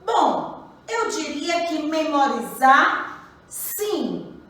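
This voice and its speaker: A woman's voice: high-pitched, big pitch swings, a bit bright, very echoey, far from the mic, poor audio. A woman teaching a grammar lesson to children, patient, often checking in with her pupils. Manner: slow, patient, repeats questions to pupils. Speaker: primary school teacher.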